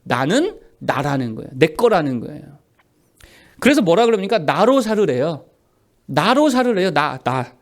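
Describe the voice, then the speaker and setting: A man's voice: fairly high pitch, big pitch swings, normal speed. A middle-aged male pastor preaching a sermon, asking rhetorical questions and answering them himself with emphatic repetition.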